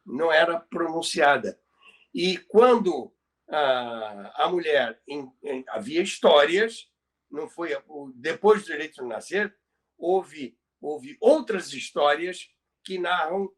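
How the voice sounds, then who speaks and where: A man's voice: a little high, animated, slow, fairly bright tone. A man with a Brazilian accent telling radio history in conversation, emphatic and repeating phrases for effect. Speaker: guest recounting radio history. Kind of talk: conversational storytelling.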